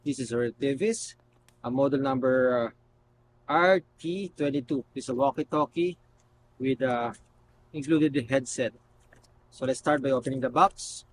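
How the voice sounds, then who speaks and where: A man hosting a casual unboxing video, talking haltingly as he thinks aloud while handling things. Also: medium pitch, slight background noise, poor audio. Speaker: video host.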